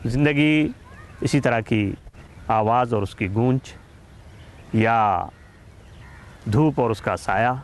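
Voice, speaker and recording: A man telling a moral story and then explaining its lesson in a measured, explanatory way, addressing listeners as friends. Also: on the low side.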